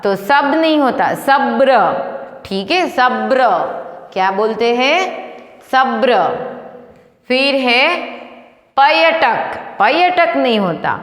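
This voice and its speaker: A woman's voice: fairly high pitch, fairly bright tone. A woman teaching a primary school Hindi class, patiently asking questions and answering them herself. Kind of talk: recorded online class lesson. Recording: echoey room with long reverb.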